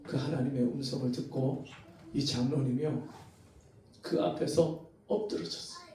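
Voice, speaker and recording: A man's voice: medium pitch, fairly even intonation, a little slow, mellow, slight background noise. A male pastor telling a story in an earnest, dramatic sermon. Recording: very echoey hall, mic far off.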